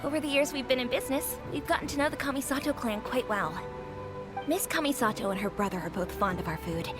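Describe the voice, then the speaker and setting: A woman's voice: high-pitched, quick pace, natural voice. A woman voicing a friendly restaurant keeper who chats in a confiding, gossipy way. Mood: chatty. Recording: game audio with music behind.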